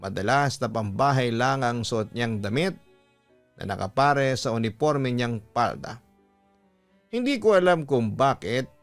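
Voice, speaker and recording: A man's voice: mid-range voice, no room sound. A man with a Filipino accent, a radio-style host reading a listener's letter aloud as scripted dramatic narration. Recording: music bed behind voice. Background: background music.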